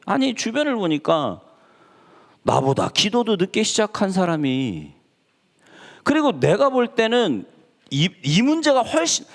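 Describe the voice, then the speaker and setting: A male pastor preaching a sermon in a church, talking to the congregation and acting out the people he quotes. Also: sits high. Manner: animated, acts out quoted voices. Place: church sanctuary. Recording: church hall reverb.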